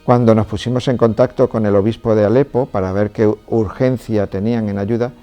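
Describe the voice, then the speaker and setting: Low, dark-voiced priest. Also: male voice, steady tone, fairly quick, faint music behind. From Córdoba, Spain. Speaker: Trinitarian priest and charity president. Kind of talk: testimony interview.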